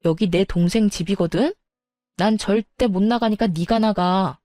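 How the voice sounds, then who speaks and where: A woman voicing a brash, hostile sister-in-law who yells with contempt in an audio story. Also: mid-range voice, moderate pace, dry recording, clean studio sound, close to an everyday voice. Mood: angry. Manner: shouting, contemptuous.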